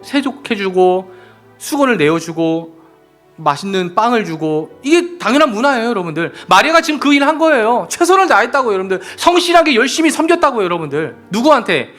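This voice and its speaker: A man preaching a sermon as pastor, animated and repeatedly appealing to his congregation. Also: high voice, fairly quick, soft background music. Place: church sanctuary.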